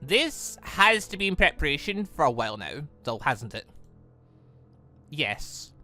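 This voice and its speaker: Animated, bright-voiced man doing gaming commentary. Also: on the high side, unhurried, soft background music. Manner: stammering, breaking off to comment. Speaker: gaming channel host. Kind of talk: let's play commentary, reading visual novel dialogue aloud and reacting.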